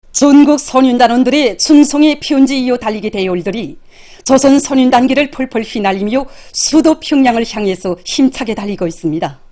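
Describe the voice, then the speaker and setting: A woman's voice: a little high, a little mellow. A woman with a North Korean accent reading scripted television news in a formal, solemn, reverent and emphatic declamatory manner.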